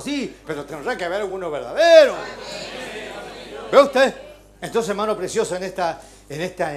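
A man with a Chilean accent preaching a sermon, moving between soft, confiding talk and fervent shouting. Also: sits high. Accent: Chilean Spanish. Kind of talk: Pentecostal-style sermon. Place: church hall. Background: congregation calling out amens.

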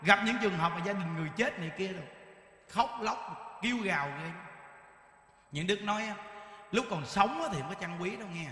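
A man's voice: high voice, brisk, reverberant, big-room sound. A man giving a Buddhist dharma talk, telling stories animatedly and asking rhetorical questions. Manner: animated storytelling, acts out dialogue, rhetorical questions. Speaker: Buddhist monk teacher.

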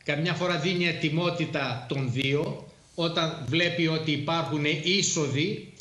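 A middle-aged man, a former air force pilot, explaining things in a measured way with frequent hesitations on a studio talk show. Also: fairly high pitch, a bit bright, reverberant.

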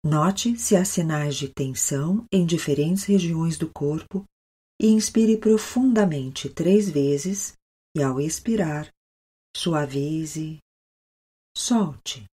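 Slow, low Brazilian woman guiding meditation like a yoga teacher. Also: husky. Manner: calm, soothing yoga-teacher delivery with long pauses. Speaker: guided meditation instructor. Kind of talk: guided meditation.

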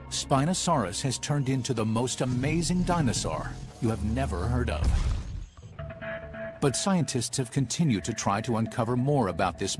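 A man narrating a nature documentary in a scripted, dramatic and emphatic style. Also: medium pitch. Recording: music under the voice. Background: dramatic background music.

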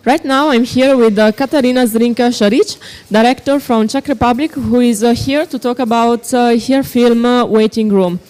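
A woman's voice: fairly high pitch, moderate pace, few pauses, darkish tone. A young woman in her twenties interviews a director at a festival lounge. She talks hesitantly, filling gaps with uh and um, into a handheld microphone. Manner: hesitant, many fillers. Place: festival lounge set, indoors. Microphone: handheld mic.

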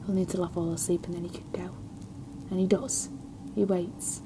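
An actress playing an injured, desperate research scientist with a blunt, sharp tongue and urgent manner in an audio drama. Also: female voice, on the low side, little pitch movement, moderate pace, noisy background, natural voice. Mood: hushed, haunted.

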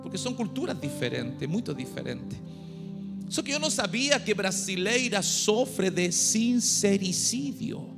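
Chilean guy preaching, spanish creeping into his portuguese, bit high voice, echoey hall w music under. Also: big pitch swings, measured pace, gravelly. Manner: humorous, mixes Spanish into Portuguese, rouses the crowd to shout. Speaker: guest pastor. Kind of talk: sermon. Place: large dark church stage. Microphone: handheld mic. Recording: long hall reverb with music behind.

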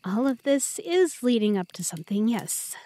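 A woman's voice: on the high side, very animated, moderate pace, warm tone. A woman playing an affectionate, earnest young girlfriend in an intimate, chatty roleplay audio drama. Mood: tender. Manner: tender, chatty, playful.

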